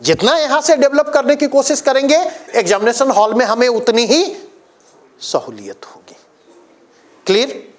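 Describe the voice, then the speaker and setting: Male coaching teacher, high lively voice, emphatic lecture to a class. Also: moderate pace. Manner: emphatic, asks the class questions.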